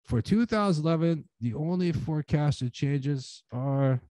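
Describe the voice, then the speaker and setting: A man's voice: a little high, a little slow, mellow, no echo. A man giving a casual talk on writing at an online conference, full of "like" and "you know" fillers, speaking over a video call. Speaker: guest speaker, writing teacher.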